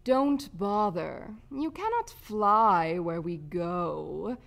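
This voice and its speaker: Woman doing a slow, drawling sardonic rat. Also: on the low side, big pitch swings, vocal fry, fairly bright tone, heavily acted. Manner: drawling, dry, smug. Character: sardonic, smirking male talking rat in children's audiobook.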